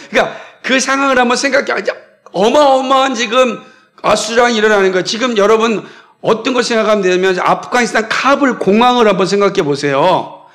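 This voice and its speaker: A man's voice: sits high, gravelly, fairly bright tone. A man from South Korea preaching a sermon as pastor, emphatic and firing repeated questions at the congregation.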